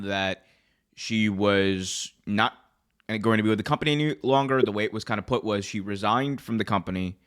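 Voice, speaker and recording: A man's voice: fairly low pitch, fairly bright tone. A man hosting a casual wrestling news discussion, talking loosely with lots of "like" and "you know". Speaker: host of a wrestling news show.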